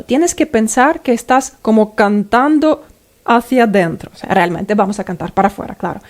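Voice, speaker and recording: A woman's voice: on the high side, darkish tone. A woman singing teacher explaining vocal technique step by step and checking in with the listener.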